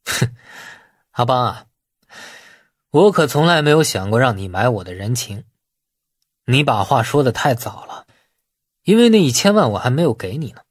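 A man voicing a shrewd, self-possessed young man in an audiobook, measured and dryly sardonic. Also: mid-range voice, very animated, breathy edge, no echo, studio quality. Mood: restrained, cool.

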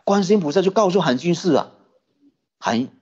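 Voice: medium pitch, animated, brisk, darkish tone, husky. A Buddhist teacher giving a sermon, telling a story with many rhetorical questions. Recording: dull lo-fi recording.

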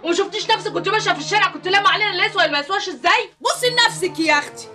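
An actress playing a brash, quarrelsome working-class woman who scolds quickly, with an Egyptian accent. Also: extremely high pitch, pushed and bright. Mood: scolding. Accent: Egyptian Arabic. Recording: TV drama with faint music.

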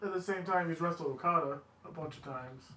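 A man's voice: on the high side, fast talker, pushed and bright. A man co-hosting a casual wrestling podcast, conversational and ready to disagree, recorded in an echoey room. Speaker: podcast co-host.

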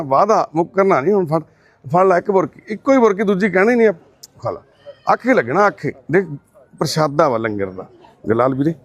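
A man with a Punjabi accent who volunteers at a care shelter, gently and repeatedly coaxing another man as his brother and explaining to the camera. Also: on the high side, no echo. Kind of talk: coaxing talk and narration to camera.

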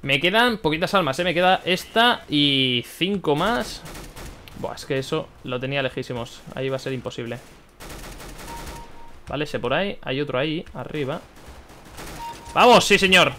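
A young man from commenting on his own gameplay, excitable, swearing and shouting at the game. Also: on the high side, a little fast. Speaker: gaming YouTuber.

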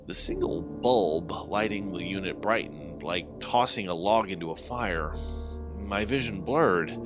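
A man with a fairly low voice narrates a horror story in the first person. His delivery is expressive and deliberate, with very lively rises and falls in pitch. Music plays behind him throughout. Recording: background music under the voice.

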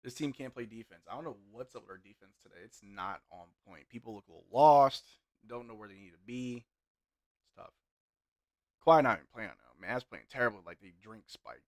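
A young man doing live play-by-play and chat reading while watching a game, his voice getting hoarse, in a small room at a desk mic. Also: medium pitch, brisk. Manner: play-by-play calls mixed with relaxed banter. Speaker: sports watch-along streamer. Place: small indoor room with gaming chair.

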